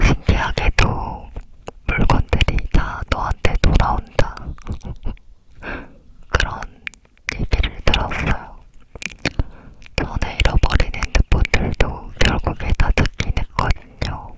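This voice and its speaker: Whispering, a woman takes long, frequent pauses. Her pace is very slow. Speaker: ASMR content creator. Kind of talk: ASMR whispering, close-mic, casual storytelling. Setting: studio, close microphone. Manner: whispered, soft, intimate. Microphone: studio mic.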